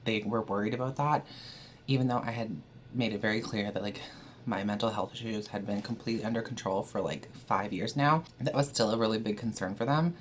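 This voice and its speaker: A woman's voice: extremely low pitch, a little fast, a little hiss or hum. A young trans woman from Canada chatting casually to camera, with frequent fillers and an easy, candid manner. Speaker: vlogger.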